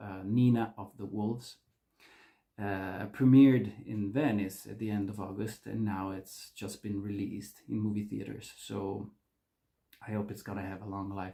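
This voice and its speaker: Speaking with an Italian accent, a man with a dark, mellow tone and fairly low pitch talks at a fairly slow pace with ordinary pitch variation. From Italy, Rome. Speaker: actor and film director. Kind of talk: self-introduction. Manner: halting.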